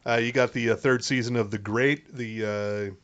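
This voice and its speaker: A man's voice: mid-range voice, steady tone, moderate pace, a bit bright, lo-fi sound. A man co-hosting a podcast in casual chat, running through upcoming releases with lots of fillers and easy swearing. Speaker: podcast co-host. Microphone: podcast microphone that keeps cutting out.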